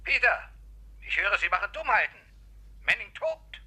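A stern yet paternal boss in a radio crime drama. His husky voice is piercingly bright and rather high, lecturing with an animated rise and fall. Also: normal speed, full character voice. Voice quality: husky, sharp.

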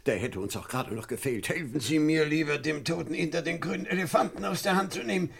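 A man's voice: on the high side, quick pace, vocal fry, fairly bright tone. An actor playing a fussy, absent-minded male professor who rambles when flustered, in a radio play.

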